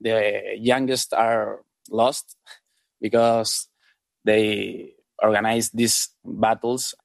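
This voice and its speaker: A young man with an Argentine Spanish accent answering as an interview guest in halting, non-fluent speech. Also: fairly low pitch, little pitch movement, vocal fry, no room sound. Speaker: interview guest, event organiser.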